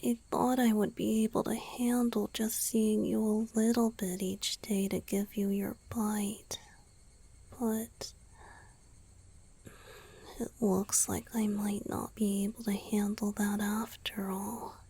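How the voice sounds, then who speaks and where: A woman voicing a lovesick young male vampire boyfriend in a romantic ASMR roleplay, soft, breathy and pleading, close to the mic. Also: mid-range voice, little pitch movement, slow pace, heavily acted. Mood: anxious, clingy. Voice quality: breathy, husky whisper. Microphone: close ASMR microphone.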